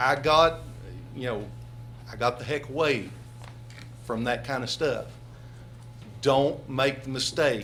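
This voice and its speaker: A man with a Southern US accent speaks at a fairly slow pace, leaving long, frequent pauses. His intonation is fairly even, with vocal fry and audible room echo. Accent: southern drawl, a little deeper than locals. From eastern Kentucky. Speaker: resident speaking at public meeting. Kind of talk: public comment. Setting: public meeting hall.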